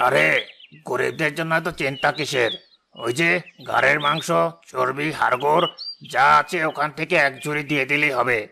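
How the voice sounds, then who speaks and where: Man voicing an arrogant rich villager, gravelly. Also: a little high, fairly even intonation, moderate pace, pushed and bright, slight background noise, exaggerated voice. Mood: dismissive. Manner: mocking, contemptuous. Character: boastful wealthy village man, arrogant and scornful. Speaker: villain of a cartoon story.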